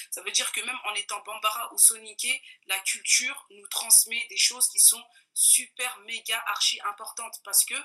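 Against music in the background, a woman talks at a moderate pace. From France, of Malian parents. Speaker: marriage and family counsellor. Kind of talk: interview.

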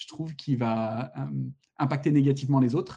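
A man speaks with a dark, mellow tone. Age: 30s. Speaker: head of sales at a recruitment platform. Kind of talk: interview. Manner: hesitant, repeats words.

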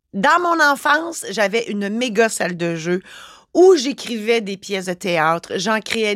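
A woman with a fairly high pitch speaks at a very slow pace, her voice making very wide pitch swings. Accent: Quebec. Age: 50s. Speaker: podcaster and motivational speaker, retired notary. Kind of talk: solo motivational podcast monologue. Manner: casual, with many filler hesitations.

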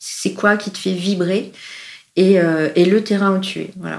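A woman speaks at a medium pitch. Her intonation is monotone and flat, at a moderate pace. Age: 40s. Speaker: permaculture trainer. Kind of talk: interview. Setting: rural village, in person. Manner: hesitant, many fillers.

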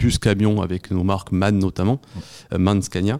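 A man with a slight southern French accent speaks at a moderate pace with a fairly low pitch and a dark, mellow tone, in a dry, close sound with no echo. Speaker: car product manager. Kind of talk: interview. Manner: sing-song intonation.

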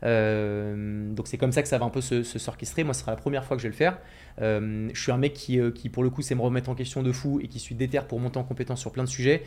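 Over music in the background, a man at medium pitch speaks at a very fast pace with fairly even intonation. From Paris region, France. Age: 30s. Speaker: entrepreneur, video agency founder. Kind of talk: interview.

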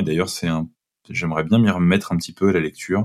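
A man's voice with ordinary pitch variation. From Paris, France. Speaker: professional freediver. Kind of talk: interview. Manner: hesitant, frequent fillers.

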